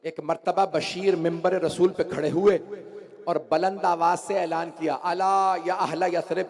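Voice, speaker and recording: High-voiced guy preaching a mourning sermon, slow and wailing. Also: fairly even intonation, a little mellow. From India. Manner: wailing, lamenting recitation rising to cries. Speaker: Shia cleric reciting a majlis. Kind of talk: emotional sermon narration.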